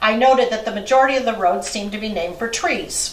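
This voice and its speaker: Over noticeable background noise, a woman speaks at a fairly quick pace, with a fairly high pitch and ordinary pitch variation. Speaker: heritage association president. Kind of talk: reading a memoir piece aloud.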